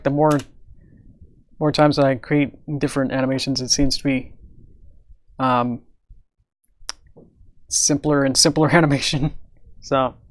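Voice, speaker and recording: Raspy guy with a cold chatting on his stream, kinda high voice, dry close sound, lots of ums and restarts. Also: no room sound. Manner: rambling, with many fillers and stammered restarts. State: coming down with a cold, sore throat. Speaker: live streamer. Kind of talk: casual live-stream chat.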